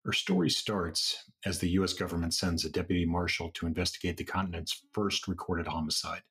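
A man with a husky voice giving a scripted introduction to an audio drama as its creator. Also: low voice, flat delivery, fairly quick, fairly bright tone.

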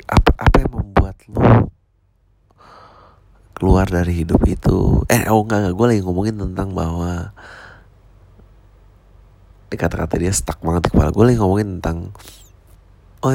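A man's voice: sits low, vocal fry, warm tone, slight background noise. A man, a stand-up comedian talking casually and reflectively, full of slang, swearing and English phrases.

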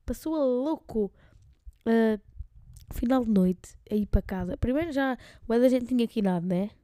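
A woman's voice: a little high, expressive, moderate pace, dark tone, clear, resonant tone, no echo. A young woman with a European Portuguese accent telling stories on her solo podcast, rambling and slangy, often laughing. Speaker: podcast host.

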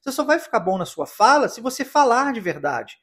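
Brazilian accent, English teacher, husky voice, patient, encouraging, podcast pronunciation lesson. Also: mid-range voice, sing-song, a little fast, a bit bright. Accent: Brazilian Portuguese. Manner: patient, encouraging, explains step by step.

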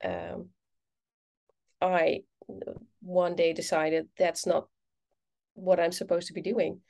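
A woman's voice: fairly low pitch, flat delivery, takes it slowly, gravelly, mellow. A woman with a Dutch accent, an English teacher hosting a casual interview, talking with frequent ums and you-knows. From Netherlands. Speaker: podcast host and English teacher.

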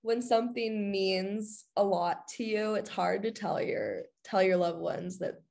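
A woman's voice: medium pitch, steady tone, unhurried, gravelly, darkish tone. A woman hosting a podcast, asking questions in a casual, upbeat and encouraging way, laughing often. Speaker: podcast host. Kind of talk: casual interview chat.

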